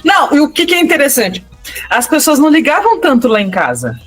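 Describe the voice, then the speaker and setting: A young woman with a Brazilian Portuguese accent, co-hosting a podcast and telling a story in a casual, animated way with frequent laughter. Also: high voice, fairly quick, faint music behind. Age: young adult. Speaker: podcast co-host.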